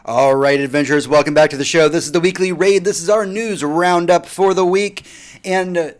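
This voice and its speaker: A man's voice: on the high side, brisk. A man hosting a casual podcast on pop culture and gaming news, speaking informally and with emphasis. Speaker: podcast host.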